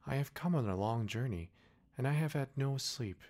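A man reading an audiobook voices a small, gentle boy prince who asks timid, earnest questions. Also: mid-range voice, expressive, normal speed, voice pushed up. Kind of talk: audiobook character voice.

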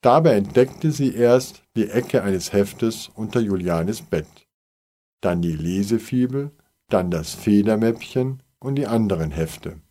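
Slow, low-voiced male storyteller. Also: expressive, warm tone. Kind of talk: scripted storybook narration.

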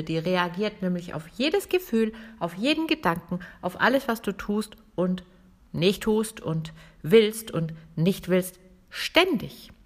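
Lively voice coach hosting a podcast. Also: female voice, mid-range voice. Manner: lively, addresses listener directly, demonstrates voice examples. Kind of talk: friendly podcast coaching talk.

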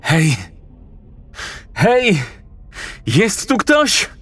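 A man's voice: high voice, big pitch swings, extremely slow, a bit bright, husky, pitched above the performer's own voice, exaggerated voice. A man voicing an arrogant, lost politician who calls out in the woods, panicked and then angry. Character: arrogant middle-aged male politician, lost and scared.

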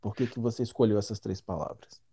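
A man's voice: lowish voice, quick pace, mellow, breathy edge. A man hosting a podcast, asking friendly questions in a casual interview chat. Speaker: podcast host.

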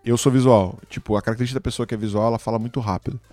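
A man hosting a casual chat, talking in a relaxed, slangy way with frequent laughs. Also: medium pitch, very fast, no echo.

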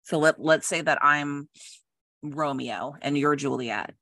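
A woman's voice: sits low, takes it slowly, bright, forceful tone, dry recording. A woman podcast host talking casually and reflectively, emphatically repeating phrases to drive a point home.

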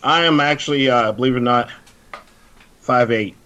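A man's voice: mid-range voice, moderate pace, sharp tone, highs cut off. A man talking as a podcast guest in a laid-back, blunt, joking way. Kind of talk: casual chat.

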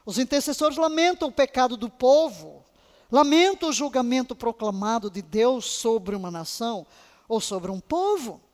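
A woman Bible teacher giving a fervent, emotional lesson on intercession, now and then breaking into soft laughs. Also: fairly high pitch, expressive, moderate pace. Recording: long hall reverb.

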